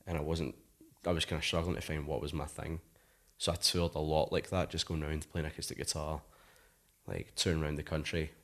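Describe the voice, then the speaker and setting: A man's voice: extremely low pitch, level tone, fairly quick, fairly bright tone. A Scottish man in his thirties, a musician guest talking casually in an interview, rambling with lots of "like" fillers. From Scotland.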